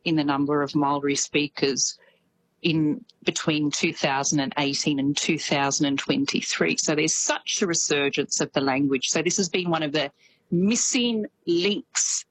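A woman's voice: low voice, fairly even intonation, unhurried, slight background noise, poor audio. A woman correspondent with an Australian accent touched by New Zealand, chatting easily on radio and laughing often. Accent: Australian with some New Zealand.

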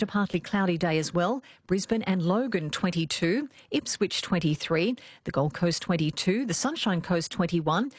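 An Australian woman newsreader reading sports results and the weather in a steady, formal manner. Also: on the low side, dry recording. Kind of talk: news and weather read.

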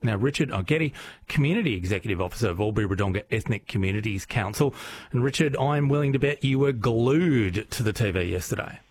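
Give me a man as a radio host, enthusiastic, with an animated, swinging voice. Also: fairly low pitch, fast talker, a little hiss or hum. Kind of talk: radio interview.

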